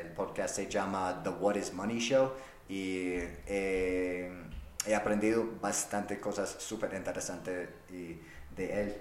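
A man with a fairly low voice talks slowly and haltingly in a foreign, English-speaker's accent. He is hosting an unscripted solo podcast, searching for words as he goes. The sound is roomy and echoing. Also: darkish tone, slight background noise. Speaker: podcast host.

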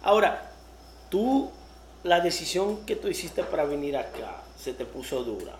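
This podcast host, born in the United States, runs a casual interview, laughing easily and repeating words often. Her deep voice is very animated yet measured in pace. Faint noise and echo fill the room.

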